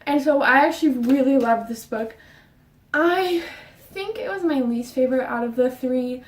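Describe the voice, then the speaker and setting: A young woman vlogging casually about books, talking fast and rambling, a bit out of breath. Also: high voice, distant mic. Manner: fast, rambling, with fillers and restarts. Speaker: book vlogger. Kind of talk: casual book chat. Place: her bedroom. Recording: roomy sound, voice off-mic.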